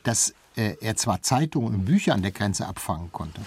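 A male studio guest explains things in an expository, storytelling manner. His mid-pitched voice is husky and slightly rough, recorded dry and close. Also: big pitch swings, normal speed, a little mellow, no echo. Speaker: author and former radio culture chief, interview guest. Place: radio studio.

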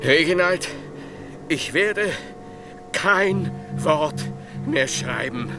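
An actor playing a weary, ecstatic medieval master scholar in a radio play, halting and breathy in his exclamations, prone to giddiness. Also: on the high side, lively intonation, heavily acted. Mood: solemn resignation. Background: music.

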